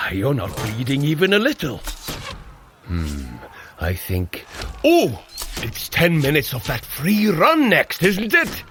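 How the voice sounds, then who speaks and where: An actor playing a boisterous Asgardian warrior god who coaches a mortal through training in a fitness audio drama, with theatrical, archaic, cheerfully bloodthirsty delivery. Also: male voice, on the high side, wildly swooping pitch, takes it slowly, long pauses, a bit bright, slight background noise, heavily acted. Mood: amused.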